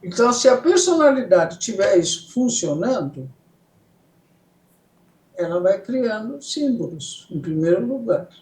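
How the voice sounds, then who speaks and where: A woman's voice: mid-range voice, sing-song, dark tone, roomy sound, poor audio. An older woman from Italy, a psychoanalyst guest, explaining ideas step by step and often checking in with her listener. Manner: unhurried, explains in steps, checks in with "certo?". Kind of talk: reflective explanatory interview talk.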